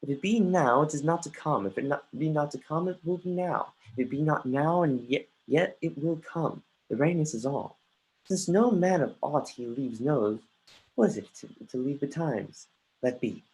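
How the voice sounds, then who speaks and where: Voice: medium pitch, lively intonation, normal speed, a little mellow, natural voice, rough recording. An actor playing a brooding, earnest young prince with a defiant streak in a livestreamed reading of Shakespearean verse. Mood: resigned. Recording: livestreamed remote call.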